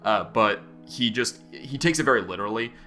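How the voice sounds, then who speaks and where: A man running a tabletop game as game master, narrating haltingly with many fillers. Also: on the low side, animated, bright, forceful tone, faint music behind.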